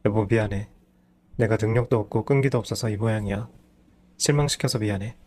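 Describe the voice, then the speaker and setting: A man's voice: medium pitch, fairly even intonation, a little fast, a little mellow, close to an everyday voice. A lazy, self-pitying husband whines excuses in a storybook reading, as a man voices him. He sounds close to an everyday male voice, defensive and sulky. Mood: dejected. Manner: whiny, defensive.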